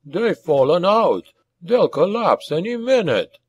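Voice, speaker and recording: An eager dwarf fighter, acted by a male narrator, wheezing in a raised, unhurried voice. It has the feel of a fantasy audiobook battle scene. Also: high voice, very animated, slightly rough, dry recording, lo-fi sound, voice pushed up, exaggerated voice. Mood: breathless excitement.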